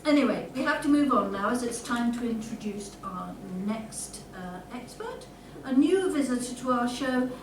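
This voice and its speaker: A woman's voice: on the high side, animated, moderate pace, few pauses, close to an everyday voice. A woman playing an over-courteous, smarmy game show host in a comedy sketch. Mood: gushing. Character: polite, smarmy game show host of an antiques panto spoof. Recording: echoey room, distant mic, clear noise.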